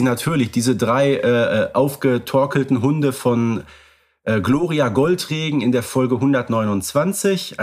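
A man co-hosting a podcast, chatting casually and wryly about radio plays, with lively storytelling and some fillers. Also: mid-range voice. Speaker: podcast co-host.

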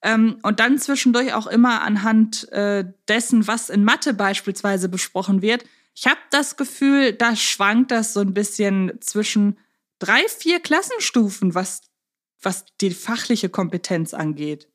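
A woman's voice: mid-range voice, expressive, a little slow, fairly bright tone. A woman talking in a conversational, analytical way as co-host of a casual podcast discussion.

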